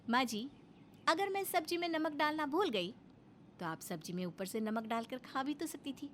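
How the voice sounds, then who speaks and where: Woman putting on a bossy young bahu in a cartoon, high shrill comebacks, voice jumps around. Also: expressive, normal speed, fairly bright tone, slight background noise. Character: bossy, sharp-tongued young wife. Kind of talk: cartoon story voice acting.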